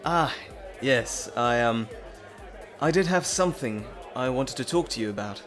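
A man's voice: medium pitch, lively intonation, unhurried, fairly bright tone, soft background music, some chatter behind. A man playing an earnest, nervous scientist and professor in an audio drama, with hesitant, stammering, wordy and formal speech. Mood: confiding, earnest. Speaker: voice actor. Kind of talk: dramatic roleplay audio acting.

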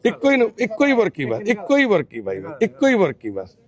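A man with a Punjabi accent who works at a care shelter speaks softly and patiently. He coaxes another man again and again, calls him brother, and sometimes turns to the camera to explain. His voice sits a little higher than most men's. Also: wildly swooping pitch, quick pace. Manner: gentle, repetitive coaxing, calling the man brother. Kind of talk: coaxing talk and narration to camera.

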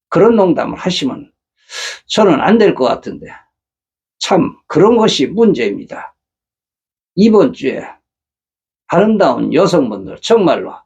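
Husky Korean matchmaker man, lively pitch. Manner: earnest, lecturing with rhetorical questions. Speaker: matchmaking agency host. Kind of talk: casual monologue to viewers.

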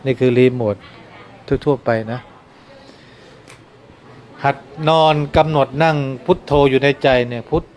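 A man who is a Buddhist monk gives an informal dharma talk. He explains things patiently and grows soft and earnest when he gives advice. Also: medium pitch, steady tone, unhurried, long pauses.

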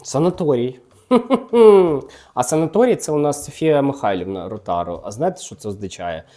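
A man with a warm, mellow voice gossips casually while he reads cards. His talk is chatty and teasing, and he often turns to address the celebrities directly. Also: medium pitch, fast talker. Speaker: gossip channel host reading tarot cards.

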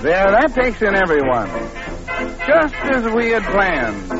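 A man's voice: high-pitched, huge pitch swings, slow pace. A man doing 1930s radio variety show patter and song, welcoming the star. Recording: dull old 1930s radio recording. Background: loud band music.

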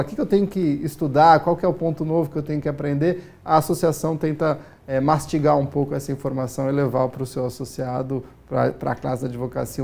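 A man in his forties answering a TV interviewer in formal, measured speech with frequent hesitant fillers, recorded on a lapel mic in a news studio. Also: medium pitch, vocal fry, a little mellow. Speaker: studio guest, lawyer.

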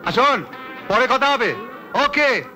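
Polite middle-aged gentleman, high-pitched, unhurried. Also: expressive, faint music behind, full character voice. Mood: loud, hurried. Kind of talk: Indian film drama dialogue.

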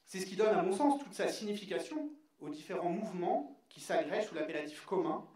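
A man on a panel reading out an academic talk in a measured way, with a few fillers. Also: sits high, lively intonation, darkish tone. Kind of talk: read academic presentation. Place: large hall on a stage. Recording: very echoey hall from far off.

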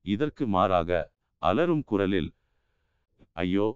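A man narrating a novel in measured, scripted audiobook style, in a dull, lo-fi recording. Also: fairly low pitch, animated, smooth, no room sound. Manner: measured storytelling.

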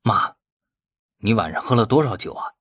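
A man acting a husky, impulsive young thug son. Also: fairly low pitch, animated, moderate pace, fairly bright tone, no echo, clean studio sound. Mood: curious. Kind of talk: audiobook character acting.

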